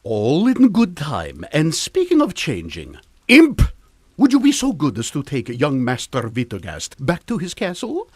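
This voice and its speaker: A man playing a dry, unflappable older mad scientist in a comic radio drama, deadpan and theatrical. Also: a little high, a little slow, husky, no room sound, exaggerated voice. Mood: dry, composed. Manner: deadpan, theatrical, swinging into urgency.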